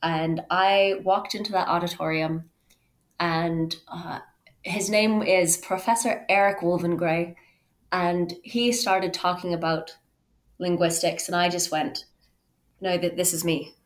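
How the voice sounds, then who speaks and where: A woman in her thirties from Canada, a podcast guest telling her own story conversationally in an animated way. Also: fairly low pitch, unhurried. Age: 30s. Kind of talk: conversational interview, personal storytelling.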